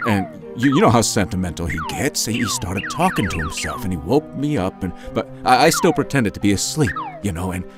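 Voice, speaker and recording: A man's voice: medium pitch, wildly swooping pitch, fairly quick, hardly any pauses. A man playing an anxious, flustered gangster in a comic audio drama, stammering. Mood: flustered, hesitant. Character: anxious, flustered male gangster, pleading with his sweetheart. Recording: music behind.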